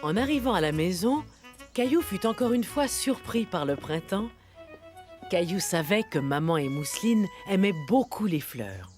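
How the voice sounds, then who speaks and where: A woman playing a gentle storyteller, narrating a children's cartoon in a tender, expressive way. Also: medium pitch, normal speed, faint music behind, natural voice. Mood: gentle storytelling. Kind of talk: scripted narration for small children.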